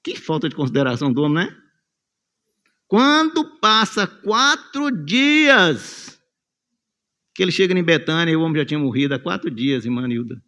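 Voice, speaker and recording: A man's voice: on the high side, sing-song, moderate pace, bright, forceful tone. A man with a Brazilian Portuguese accent preaching a sermon in a church, telling the story vividly and calling on listeners by name. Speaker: pastor.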